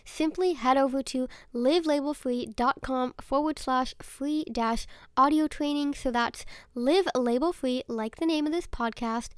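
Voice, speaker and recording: A young woman with a high voice hosts her own podcast, slightly raspy and nasal from a cold. She speaks earnestly and personally, recorded close and dry with no room sound. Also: measured pace, few pauses, dry recording. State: sore throat and stuffy nose. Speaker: podcast host. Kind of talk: solo podcast monologue.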